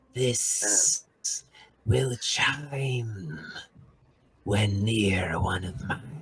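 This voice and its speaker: Putting on a character voice, a man talks at a fairly low pitch and a very slow pace, with long, frequent pauses. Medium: actual play.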